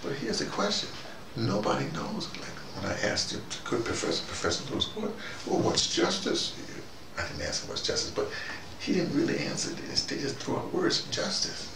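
Gravelly man lecturing in a roomy room. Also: medium pitch, huge pitch swings, normal speed. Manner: digressive, with sudden rising emphasis. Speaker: commentator speaking to a small audience. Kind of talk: rambling spoken lecture. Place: small room indoors. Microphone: far camera mic. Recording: roomy, distant, noisy.

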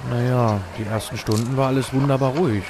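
A man's voice: medium pitch, steady tone, fast talker, background noise, natural voice. A man playing a nervous, hesitant hobby angler in a crime audio drama. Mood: eager.

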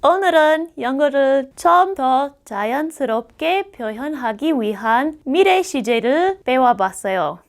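A middle-aged American woman, a native English speaker with a high-pitched voice, teaches grammar in a video lesson, drilling words slowly and carefully.

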